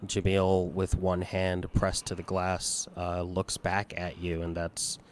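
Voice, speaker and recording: A man narrating a tabletop roleplaying game as game master, in a measured, halting way. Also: low voice, completely flat delivery, slight background noise.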